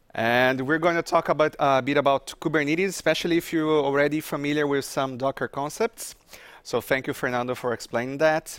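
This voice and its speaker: A man speaks with a Brazilian Portuguese accent at a fairly high pitch, with ordinary pitch variation. The sound is dry and close, with no echo. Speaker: software developer advocate / tech speaker. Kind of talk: tech talk. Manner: hesitant, many fillers.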